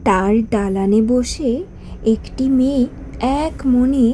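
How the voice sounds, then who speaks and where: A woman's voice: fairly high pitch, slow pace, warm tone, a little hiss or hum. A woman narrating a scripted children's cartoon story as a storyteller.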